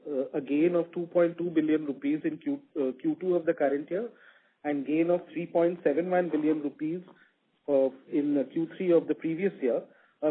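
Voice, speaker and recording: A man with an Indian accent formally and methodically reading out figures as an executive in a scripted results presentation. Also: fairly high pitch. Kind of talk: scripted earnings call presentation. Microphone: telephone conference line. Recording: muffled narrow phone-line conference call.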